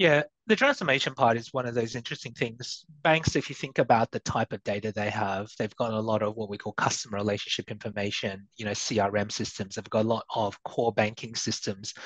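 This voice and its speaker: A man with an Australian accent talks at a fairly quick pace with hardly any pauses and ordinary pitch variation, the sound dry with no echo over a quiet background. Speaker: data strategy specialist in financial services. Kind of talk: conversational interview. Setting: video call. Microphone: headset.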